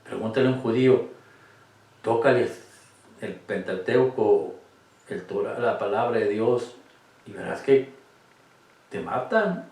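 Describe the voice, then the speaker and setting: Guy teaching bible study, fairly low voice, big echo, mic kinda far off. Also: steady tone, a little slow, pauses often, mellow. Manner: emphatic, asks rhetorical questions. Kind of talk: Catholic Bible study talk. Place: room with cameras. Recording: echoey room, distant mic.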